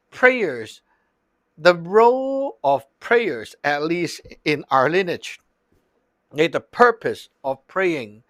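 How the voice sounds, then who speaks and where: Slow-talking man teaching in a dry room. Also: fairly high pitch, fairly bright tone, dry recording. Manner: loose and chatty, peppered with "like" and "okay?". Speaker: Taoist teacher. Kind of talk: casual spoken lesson.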